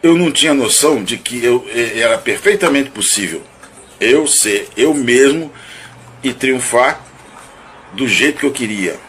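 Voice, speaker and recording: A man from Rio de Janeiro calmly analyzing a dream he once had, speaking in a halting, searching way with many restarts and hedges. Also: mid-range voice, slight background noise. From Brazil (Rio de Janeiro). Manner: thoughtful, hedging, self-analytical. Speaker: narrator recounting and analyzing his own dream. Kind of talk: reflective spoken monologue.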